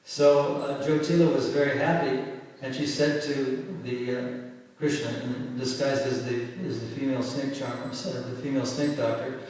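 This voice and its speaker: A man narrates a scripture story to a temple class at a mid-range pitch, pausing and restarting as he searches for words. He is picked up from a distance in a big hall, so his voice rings with a long, roomy reverb. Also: steady tone. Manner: halting, searching for words, growing louder in quoted pleas. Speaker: lecturer giving a scripture class. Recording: echoey hall from far off.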